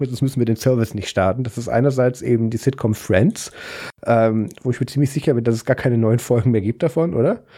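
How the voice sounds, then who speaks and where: A man with a dark, mellow tone and a somewhat breathy voice speaks at a very fast pace. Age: 20s. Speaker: podcast host. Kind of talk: casual chat.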